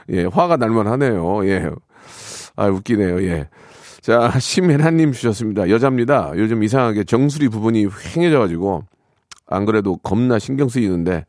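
A man's voice: on the low side, darkish tone, no echo, clean studio sound. A middle-aged man hosting a radio show, reading listener messages and joking about them with mock outrage in a casual chat.

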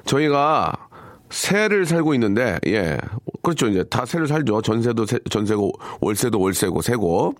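A man's voice: medium pitch, very animated, moderate pace, no room sound, clean studio sound. A man hosting a live radio call-in show, chatting with a caller and reading out listener texts. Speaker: radio host. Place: radio studio.

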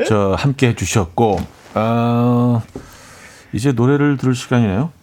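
A man's voice: mid-range voice, a little slow, darkish tone. A man hosting a radio show, chatting casually and laughing along as he reacts to listener stories. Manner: chuckling, playful banter with many short affirmations. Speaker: radio host.

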